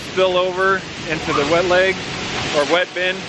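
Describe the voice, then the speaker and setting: A man's voice comes through dry, with no echo, while loud background noise fills the clip. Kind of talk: casual vlog explanation. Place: farm machine. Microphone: phone near.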